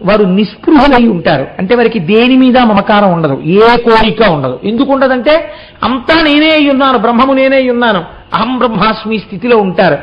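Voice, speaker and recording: Male preacher, high voice, explanatory storytelling sermon, dull lo-fi recording. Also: lively intonation, brisk. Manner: explanatory, asks rhetorical questions. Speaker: religious discourse speaker.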